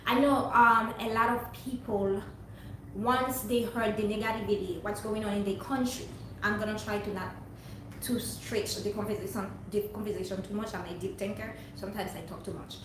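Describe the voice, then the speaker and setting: A woman's voice: medium pitch, steady tone, normal speed. Earnest woman talking in an echoey room. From Haiti. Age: young adult. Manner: rambling, earnest, preachy. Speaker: vlogger. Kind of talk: casual monologue to viewers. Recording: very echoey room, distant mic, faint noise.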